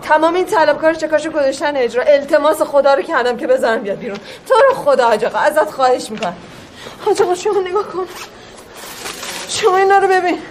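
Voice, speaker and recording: A wife pleading desperately. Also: female voice, high voice, expressive. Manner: pleading, swearing by God and Quran. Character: anxious pleading wife begging for her husband. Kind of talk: film drama acting. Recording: film audio with crowd and noise.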